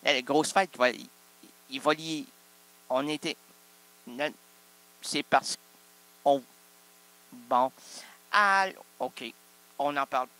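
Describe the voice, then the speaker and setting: A man's voice: medium pitch, takes it slowly, long pauses, pushed and bright. A man, hosting an improvised solo comedy show full of absurd, self-interrupting wordplay. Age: 30s. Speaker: host.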